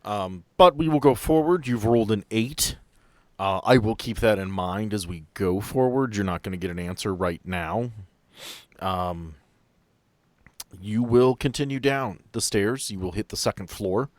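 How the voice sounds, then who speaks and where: Low-voiced male game master. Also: measured pace, no echo. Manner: descriptive, explains rules at length. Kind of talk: narrating a tabletop game.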